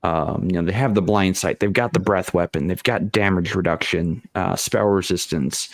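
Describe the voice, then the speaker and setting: Lowish, dry-sounding man, hesitant delivery. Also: normal speed, gravelly, dry recording. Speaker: panelist on a role-playing show. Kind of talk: casual explanation of tabletop game ideas.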